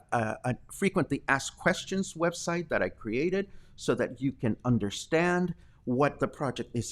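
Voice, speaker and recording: Earnest, defensive Mexican man, slightly high. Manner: earnest and defensive, with fillers and restarts. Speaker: host of a daily live news show. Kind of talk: live-stream monologue.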